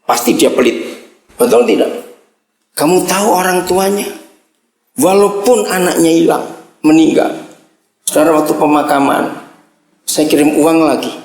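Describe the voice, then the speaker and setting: A male pastor delivers an impassioned sermon, his voice pitched high and breaking into shouts as he presses his point on the congregation. The sound carries the echo of a large church hall. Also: fairly even intonation, moderate pace, long pauses. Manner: impassioned, shouting at times, addresses congregation as saudara.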